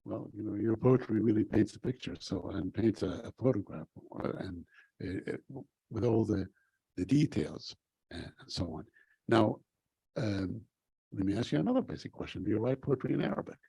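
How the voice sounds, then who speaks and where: An older man moderating a public conversation, asking questions in a measured, reflective way with frequent fillers. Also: lowish voice, expressive, vocal fry, warm tone, slightly rough, no echo, poor audio. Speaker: host, interviewer.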